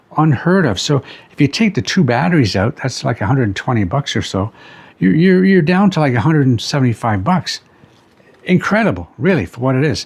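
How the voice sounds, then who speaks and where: This man's voice carries vocal fry. His pitch swings very widely. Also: medium pitch for a man, fairly quick pace. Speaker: drone reviewer. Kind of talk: casual talk to camera.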